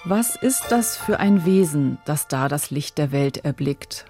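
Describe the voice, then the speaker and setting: A woman narrating a scripted radio feature in a crisp, clipped storytelling manner. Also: sits low, lively intonation, measured pace, over loud music.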